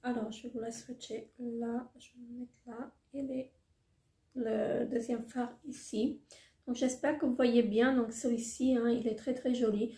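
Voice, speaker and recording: A woman's voice: a little high, little pitch movement, a little slow, dark tone, roomy sound. A woman showing makeup palettes in a casual haul video, gushing and hesitant, with many fillers. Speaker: beauty vlogger.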